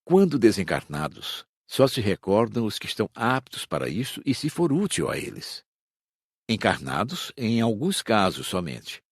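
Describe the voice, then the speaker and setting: Husky, low-voiced male teacher read by a man. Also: very animated, dry recording, studio quality, heavily acted. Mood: instructive, measured. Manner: didactic, measured. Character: male spirit teacher explaining reincarnation calmly. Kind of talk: scripted audiobook narration.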